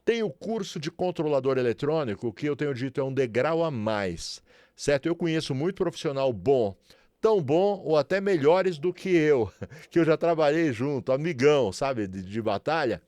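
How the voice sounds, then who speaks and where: Chatty Brazilian instructor, dry close sound. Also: male voice, fairly high pitch, expressive, normal speed, a little mellow, dry recording. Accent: Brazilian Portuguese, São Paulo. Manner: chatty, promotional, repeats tags like "certo?" and "beleza?". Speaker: refrigeration instructor. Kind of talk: casual tutorial talk to viewers.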